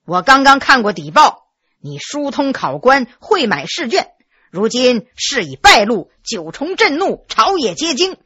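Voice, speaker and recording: A woman voicing a clever young male scholar who speaks in a lowered, earnest voice. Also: very animated, a little slow, pushed and bright, slightly rough, dry recording, highs cut off, full character voice. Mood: stern.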